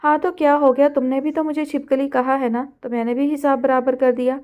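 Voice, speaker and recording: A woman's voice: high voice, level tone, narrow, tinny audio, close to an everyday voice. A sassy teenage girl, as a woman reads her. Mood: bickering. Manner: bickering, quick retorts.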